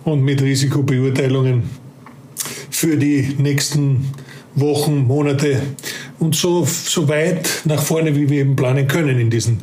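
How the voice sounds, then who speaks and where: Slow, steady and warm, a mid-range male voice belongs to a former police officer in his fifties. Appearing as a guest in a casual interview, he has a Carinthian Austrian German accent and speaks reflectively, repeating words as he searches for them.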